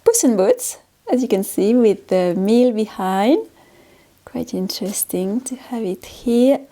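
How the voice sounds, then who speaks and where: Mellow-voiced woman with a French accent. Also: a little high, very animated, a little slow. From France. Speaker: paper artist hosting a studio vlog. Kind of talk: casual, unscripted show-and-tell.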